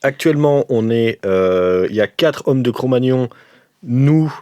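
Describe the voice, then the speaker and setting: A man with a medium-pitched voice talks casually as a player in a tabletop game. He is tongue-in-cheek, and the sound is dry with no room echo. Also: animated, unhurried, warm tone. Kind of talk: casual chat.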